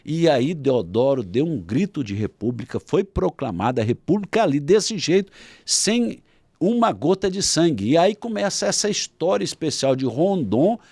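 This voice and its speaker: A man with a Brazilian Portuguese accent tells history as an interview guest, his pitch rising and falling with animation. He acts out shouted quotes as he goes. The sound is dry and close to the mic. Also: big pitch swings, moderate pace, husky, no room sound. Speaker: guest author. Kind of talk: storytelling in a podcast interview.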